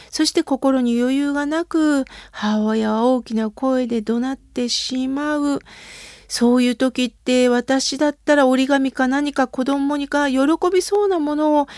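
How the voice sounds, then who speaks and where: A woman hosting a radio show, reading listener mail aloud and answering it in a soft, polite, thoughtful manner. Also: high-pitched, no room sound, studio quality. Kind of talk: gentle radio talk reading letters.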